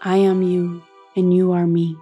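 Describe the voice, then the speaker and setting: A woman's voice: lowish voice, monotone, unhurried, warm tone, slightly rough, dull audio, faint music behind. A woman playing Maíz, a wise eldest sister of corn, in a solemn, lyrical audio fiction narration. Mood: solemn, tender.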